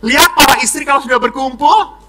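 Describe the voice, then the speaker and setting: A man, a Catholic priest, preaching a lively homily and acting out the people in his stories. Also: very high voice. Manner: lively preaching, acts out children and wives in quick voices.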